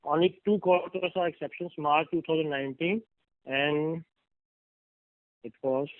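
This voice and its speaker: A male investor calling in to question company management, speaking in halting, broken phrases over the phone. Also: a little high, dry recording. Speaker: investor caller asking questions. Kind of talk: earnings call question. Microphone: phone call. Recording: thin, narrow phone line.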